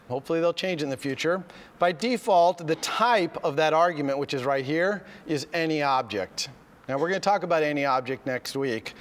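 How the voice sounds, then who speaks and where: A man with a slightly hoarse voice from a cold, teaching a live coding lecture step by step and often checking in with "okay?". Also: on the high side, a bit bright. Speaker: university lecturer. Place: lecture hall. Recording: lecture hall with long reverb.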